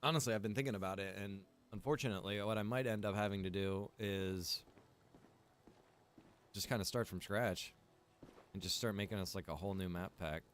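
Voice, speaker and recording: Male game streamer, slightly low register, informal and rambling, thinking out loud. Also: a little fast, slight background noise. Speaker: streamer and server developer. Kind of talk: casual gaming stream chat.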